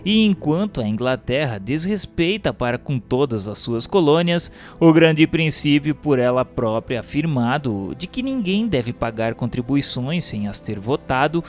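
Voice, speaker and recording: A man's voice: medium pitch, very animated, measured pace, few pauses. A man with a Brazilian accent reading scripted narration in a formal, solemn, declamatory manner. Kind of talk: scripted audiobook-style narration of a historical religious text. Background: music.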